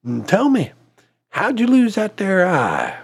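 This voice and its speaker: A man's voice: sits high, huge pitch swings, takes it slowly, breathy edge, full character voice. Man voicing a kindly old barfly. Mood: sympathetic. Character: kindly sympathetic older man at a bar.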